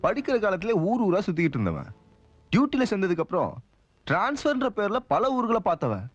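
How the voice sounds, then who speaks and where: A swaggering, sarcastic police officer in a dubbed action film. His voice sits high and leaps about as he mocks the people around him. The sound is dry and close. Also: fast, no room sound, muffled recording, exaggerated voice. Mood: mocking. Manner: mocking, swaggering, lively delivery. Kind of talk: Tamil film dub dialogue.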